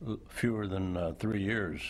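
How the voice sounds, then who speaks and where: A man in his nineties, a veteran recounting memories as a studio interview guest, unhurried and thoughtful with frequent pauses. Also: low-pitched. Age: 90s. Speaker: war veteran and author. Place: indoor television studio.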